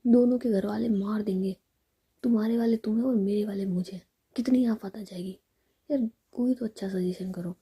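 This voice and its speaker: A woman's voice: medium pitch, steady tone, normal speed, dark tone, breathy edge. A woman voicing a playful but worried young woman facing an arranged marriage, whispered.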